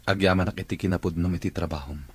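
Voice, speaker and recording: Actor playing weakened, kindly employer, low raspy register, Ilocano drama delivery. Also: male voice, steady tone, fast. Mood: grateful. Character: kindly, weakened wheelchair-bound male employer. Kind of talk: Filipino radio drama acting in Ilocano.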